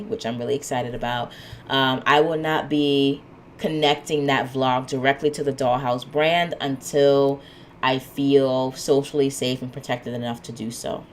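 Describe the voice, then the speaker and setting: A woman's voice: rumbling low, a little hiss or hum. A woman hosting her own podcast, talking through her plans in a loose, rambling way with plenty of fillers, a little sniffly from a cold. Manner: relaxed, rambling, many "um"s and asides. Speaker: podcast host. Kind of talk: solo podcast monologue.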